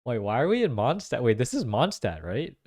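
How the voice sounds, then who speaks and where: A man hosting a casual reaction video, thinking aloud in slangy, excitable commentary. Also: medium pitch, brisk. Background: faint music.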